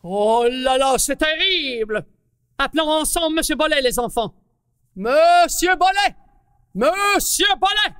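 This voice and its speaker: Lady doing a bossy little mushroom colonel, squeaky and bouncy, huffs a lot, long reverb. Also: lively intonation, a little slow, a bit bright, studio quality. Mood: urgent. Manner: blustering, indignant, talks to children. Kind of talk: children's puppet show.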